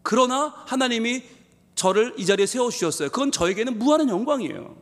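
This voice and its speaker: In a large hall of a church sanctuary, a pastor with a fairly bright tone and lively intonation delivers a fast, emphatic Sunday sermon. He acts out the prophet Jonah's complaints, his pitch rising as he voices them.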